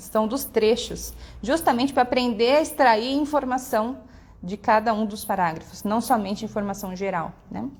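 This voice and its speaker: A woman presenting children's schoolwork materials, explaining each exercise and often ending sentences with quick check-in questions. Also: a little high. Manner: explanatory, frequent "né?" and "tá?" tag questions; models stressed syllables and examples aloud. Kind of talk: walkthrough of a workbook.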